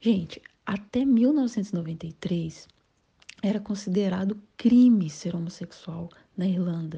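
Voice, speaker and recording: This woman's voice is somewhat breathy, with a dark, mellow tone. Her pitch sits in the medium range and varies in an ordinary way. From Brazil. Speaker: nursing technician living abroad. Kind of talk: recorded personal testimony.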